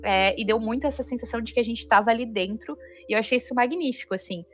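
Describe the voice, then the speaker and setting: A woman's voice: a little high, fast talker, fairly bright tone. A Brazilian woman giving her opinion in casual panel chat, informal and emphatic, repeating words for stress. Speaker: panelist on a reaction show. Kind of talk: casual spoken review chat. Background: music.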